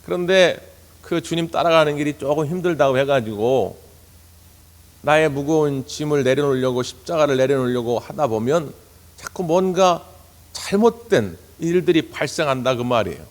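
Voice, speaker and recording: A man's voice: a little high, normal speed. A man preaching a sermon as pastor, telling stories and earnestly addressing the congregation. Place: church sanctuary. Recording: long church hall reverb.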